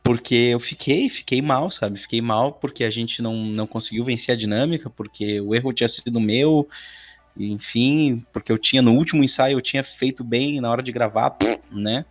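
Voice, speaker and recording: A man's voice: mid-range voice, normal speed, dull audio. Brazilian man chatting over music. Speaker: interview guest. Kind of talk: casual interview chat.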